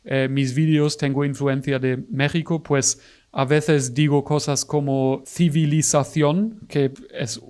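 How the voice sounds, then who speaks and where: A German man speaking Spanish with a German accent, chatting casually as a reaction host, self-mocking and quick to laugh. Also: a little high, fairly even intonation, darkish tone.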